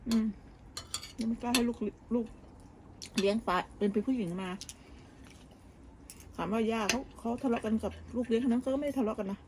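A woman vlogger cooks in her home kitchen abroad while casually gossiping about family, her fairly high voice running a little fast amid background noise. She pauses often and keeps restarting sentences, with many fillers.

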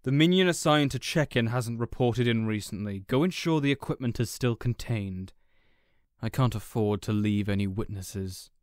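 A man's voice: mid-range voice, moderate pace, darkish tone, no room sound, natural voice. Male actor as arch-nemesis, audio roleplay, smug, taunting, theatrical drawl, cold menace, dry recording. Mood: cold, impatient. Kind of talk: audio roleplay villain monologue.

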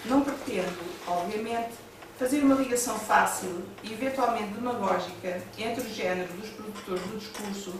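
A woman with a European Portuguese accent giving a measured academic conference talk, partly read from notes, with hesitant asides. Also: a little high. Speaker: academic speaker. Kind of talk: conference presentation. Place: seminar room with a panel table. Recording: echoey room, distant mic, background noise.

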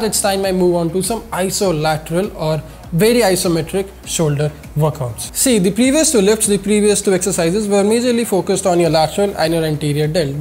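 A man's voice: high-pitched, darkish tone, a little hiss or hum. A man in his twenties with an Indian accent and a nasal, whiny voice stuffed up by a cold and sore throat, presenting fitness instruction to camera with emphatic repetition. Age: 20s. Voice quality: nasal, congested whine from a head cold. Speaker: fitness channel host. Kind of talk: scripted-style instructional vlog to camera. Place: indoor studio with plain backdrop. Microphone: lapel mic.

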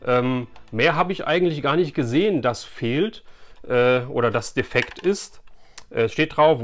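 A man in his forties chatting casually and animatedly to the camera as a host of a collectors' video channel. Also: mid-range voice. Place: small furnished room lined with collectible shelves, indoors.

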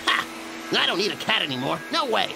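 An actor voicing an excitable, grumbling adult male logger in an animated cartoon, whiny and theatrical. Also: mid-range voice, fairly quick, gravelly, loud music behind the voice, low-quality recording. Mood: indignant. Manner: exclamatory, whiny, theatrical muttering. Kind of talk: animated cartoon dub acting.

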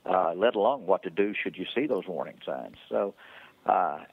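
Halting deep-voiced man on a phone line. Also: lively intonation, vocal fry, slightly rough, no echo. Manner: halting, many fillers and restarts. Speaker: interview guest, foundation founder. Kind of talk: phone interview.

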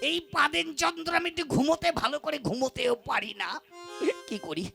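Woman voicing a hysterical young husband, wailing, lively and gravelly, comic puppet play, folk music behind. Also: high-pitched, a little fast, exaggerated voice. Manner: wailing, melodramatic outbursts. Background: folk instrumental music.

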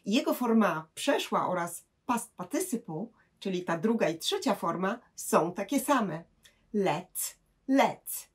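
A woman teaching English grammar, explaining patiently and saying English examples slowly and clearly. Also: mid-range voice.

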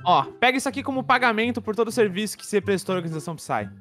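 A man's voice: high voice, expressive, racing, fairly bright tone. A man with a Brazilian accent chatting in casual improvised game role-play, friendly and conspiratorial, often repeating himself. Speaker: fellow player acting as city mayor. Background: background music.

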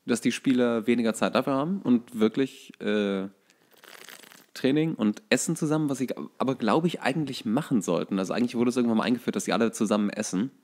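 A man's voice: medium pitch, darkish tone. A man with a German accent co-hosting a podcast, chatting casually about football and often searching for words mid-sentence. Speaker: podcast co-host.

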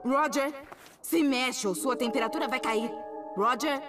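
A bossy teen heroine in a cartoon, high-voiced and brisk, giving orders. She sounds set back from the mic, with music playing under her. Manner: commanding, brisk. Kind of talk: cartoon voice acting. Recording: distant with music behind.

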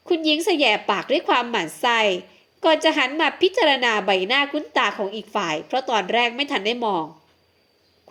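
A woman narrating a romance novel she wrote, in a smooth, expressive storytelling manner. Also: fairly high pitch. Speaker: audiobook narrator and writer.

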